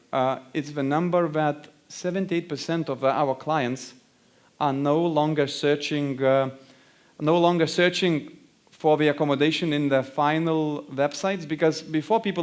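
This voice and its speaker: A man with a Lithuanian accent and a fairly high pitch speaks at a moderate pace, his intonation fairly even. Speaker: conference speaker on rural tourism. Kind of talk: conference talk. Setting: stage with audience. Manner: halting with frequent fillers.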